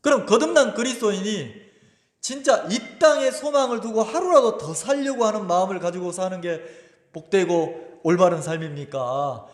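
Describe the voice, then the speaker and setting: A man's voice: high voice, moderate pace, roomy sound, big-room sound. A middle-aged male pastor giving a sermon, telling a personal story with emotion and acting out the voices of his mother and himself. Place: church sanctuary.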